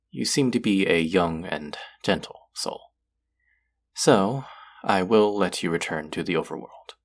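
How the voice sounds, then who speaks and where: An actor playing a stern, haughty god of the underworld in an audio roleplay, speaking formally with an exasperated, grudging manner. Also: male voice, deep voice, gravelly, full character voice. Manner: imperious, exasperated, formal speech with sighs. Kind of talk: scripted character audio roleplay.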